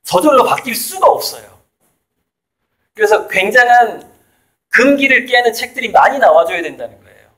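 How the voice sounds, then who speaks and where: A man's voice: very high voice, very animated, normal speed, pauses often, sharp tone. A man from South Jeolla talking in a casual, emphatic way as an interviewee, making his points with laughs in between. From South Jeolla, Korea. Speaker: artist and author, interviewee. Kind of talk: casual conversational lecture.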